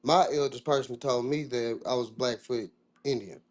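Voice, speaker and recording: A man's voice: mid-range voice, normal speed. Rambling Southern American man. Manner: rambling, restarts often, informal speech. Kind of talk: casual discussion.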